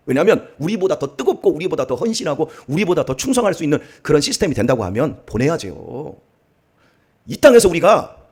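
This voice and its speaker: A middle-aged man, a pastor, preaching a dawn sermon in a church, swinging from soft asides to emphatic exhortation. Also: fairly high pitch, slightly rough. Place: church sanctuary.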